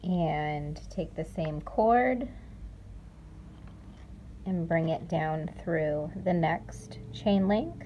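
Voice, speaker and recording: A woman's voice: sits low, drawn-out words, long pauses, mellow, highs cut off, slight background noise. A young woman presenting a craft tutorial, explaining each step carefully and repeating key words for emphasis. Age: young adult. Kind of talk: step-by-step instructional demonstration.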